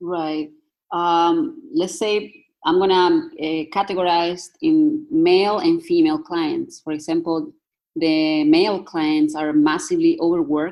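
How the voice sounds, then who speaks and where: Speaking with a non-native accent, a woman keeps to a fairly slow pace. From southern Chile, Patagonia. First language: Spanish. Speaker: fitness and wellness coach. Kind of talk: interview conversation.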